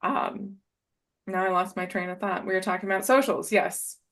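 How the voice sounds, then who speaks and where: A woman's voice: mid-range voice, moderate pace, a bit bright. Give me a woman hosting a live online Q&A over a video call, passing audience questions to the panel. She speaks hesitantly, stopping often and filling the gaps with "um" and "uh". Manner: hesitant, full of fillers. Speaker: host, Q&A moderator. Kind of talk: live Q&A moderating.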